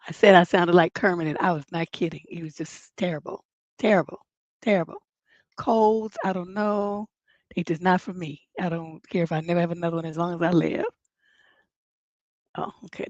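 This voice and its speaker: A woman hosting a relationship advice livestream, hoarse from a cold, chatting in a rambling, self-mocking way before reading out questions. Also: fairly low pitch, moderate pace, dry recording, muffled recording. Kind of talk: casual livestream advice chat.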